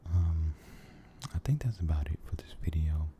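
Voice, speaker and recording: A man giving a soft-spoken, mostly whispered ASMR ramble, halting and gentle, repeating his phrases, close to the microphone. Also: a bass voice, slight background noise. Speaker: ASMR video creator.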